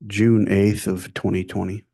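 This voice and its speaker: A man's voice: fairly low pitch, little pitch movement, measured pace, creaky, dark tone. A man testifying in court as a police detective, formal and matter-of-fact. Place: courtroom witness stand.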